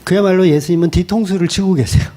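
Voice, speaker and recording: A male pastor giving a colloquial, animated sermon and acting out quoted lines. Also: sits high, fast.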